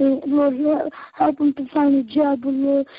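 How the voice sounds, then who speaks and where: High-pitched, a woman's voice comes through in a dry sound with no echo over a quiet background. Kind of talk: group prayer. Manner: halting, repetitive, fervent. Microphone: phone line.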